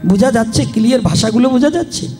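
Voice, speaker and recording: A man's voice: extremely high pitch, lively intonation, quick pace, mellow, soft background music. A man with a Faridpur Bengali accent preaching a live devotional sermon, teasing the crowd with questions and breaking into chants. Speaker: Bhagavata preacher.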